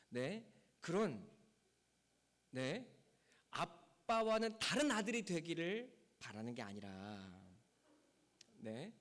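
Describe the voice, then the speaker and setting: A man delivers a Sunday sermon in a high, lively voice that swoops up for emphasis and drops low at the ends of lines. His words ring out with long reverb in a church hall. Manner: emphatic preaching, voice rising and falling sharply. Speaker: pastor. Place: church sanctuary.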